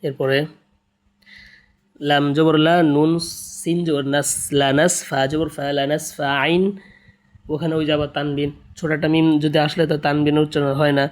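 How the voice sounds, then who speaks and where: This male Quran tutor from Bangladesh drills Arabic letters and vowel marks for beginners in slow chants with a narrow melody. His voice is a little high and flat, and between the sing-song spelling he switches to quick spoken explanations.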